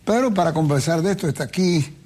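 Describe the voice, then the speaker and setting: A man's voice: a little high, animated, fast talker, a little mellow. A man who is a pastor hosting a Christian interview show, asking friendly, short prompting questions.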